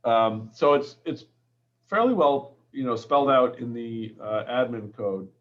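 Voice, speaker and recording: A man with a Boston-area accent speaking at a town commission meeting, halting with many fillers. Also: mid-range voice, animated. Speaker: commission member. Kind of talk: casual meeting talk. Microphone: video call. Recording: muffled video call audio.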